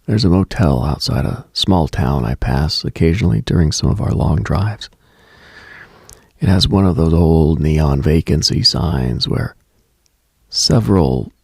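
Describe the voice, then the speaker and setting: A very deep, gravelly, husky voice breathes eerie reflective stories into a close mic on a late-night mystical radio show. The man speaks in a hushed, halting, musing way, and there is no echo.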